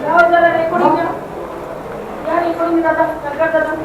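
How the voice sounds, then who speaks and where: A woman's voice: very high voice, completely flat delivery, brisk, heavy reverb, distant mic, dull audio, noisy background. A woman citizen arguing insistently and confrontationally with municipal staff, repeating her demands. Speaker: citizen complainant. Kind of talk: heated argument. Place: municipal office visitor room. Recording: busy office crowd behind.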